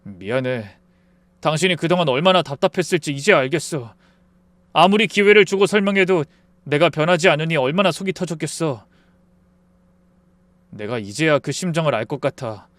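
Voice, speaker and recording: A man playing a young husband who shouts at his sister and turns heavy and resigned. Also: a little high, expressive, normal speed, long pauses, dry recording. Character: enraged then broken husband, young man, stern.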